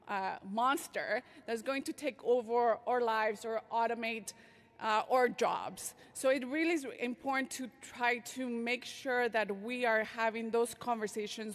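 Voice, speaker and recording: A fairly high-voiced woman from Mexico speaks from a podium microphone at a conference, her voice trailing into the long reverb of a large hall. She talks in a hesitant way, filling pauses with "um" and restarting her words. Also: a bit bright. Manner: hesitant, many fillers and restarts. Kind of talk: conference talk.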